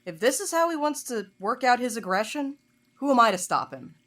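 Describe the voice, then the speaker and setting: An actress playing a tough, sharp-tempered woman in an audio drama, with a dry, no-nonsense manner. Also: a little high, very animated, fairly quick. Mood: wry. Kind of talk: scripted audio drama acting.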